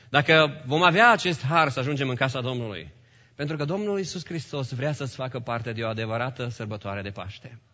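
Male pastor, sermon delivery, forceful and bright, loud peaks and quiet drops; dull recording with long church-hall reverb. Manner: preaching with strong swings between loud calls and hushed, low lines.

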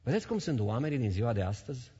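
A male pastor preaching a sermon in a church hall, emphatic, repeating phrases and swinging between loud and soft. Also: medium pitch, very animated, slightly rough. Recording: reverberant hall, dull sound.

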